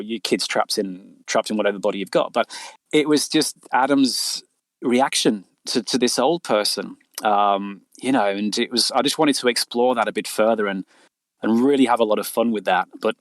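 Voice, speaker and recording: Male, middle-aged, low voice, dry close recording. Casual interviewee, rambling, repeats words as he goes. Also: brisk, no echo. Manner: rambling storyteller with frequent stammered repeats and "you know". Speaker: interviewed horror author.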